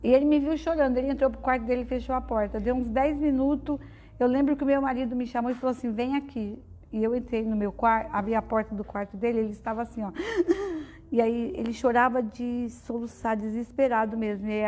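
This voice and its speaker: A middle-aged woman, a guest speaker at a spiritist study center, shares a heartfelt personal testimony with the audience, talking conversationally and using many fillers. She speaks fast, with a slightly high, slightly mellow voice and fairly even intonation.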